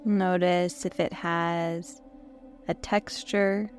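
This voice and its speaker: A woman with a hoarse, worn-down voice, hosting a podcast and gently guiding a yoga nidra meditation with soft, slow instructions and long pauses. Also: fairly low pitch, flat delivery, soft background music. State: hoarse, losing her voice. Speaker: podcast host and meditation guide.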